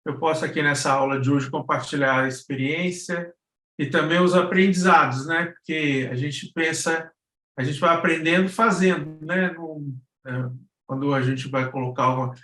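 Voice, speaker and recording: A man's voice: fairly high pitch, measured pace, a bit bright. A Brazilian man presenting informally to an online class over a video call, thinking aloud in loose, conversational phrases. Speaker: guest presenter, actor and cultural producer. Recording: roomy, echoing video call audio.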